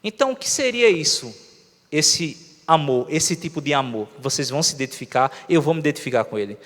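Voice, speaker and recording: A man's voice: a little high, lively intonation, fairly quick, fairly bright tone. A Brazilian man preaching a conversational sermon, often asking the congregation questions. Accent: Brazilian Portuguese. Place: church hall. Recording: long reverb of a church hall.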